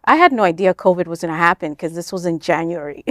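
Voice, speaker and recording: Woman from kenya chatting as interview guest, lowish voice, explains stuff casually, dry sound. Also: animated, fast, a bit bright, dry recording. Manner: informal, explanatory, frequent "like" and "you know". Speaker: interview guest, nonprofit founder. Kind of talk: conversational interview answers.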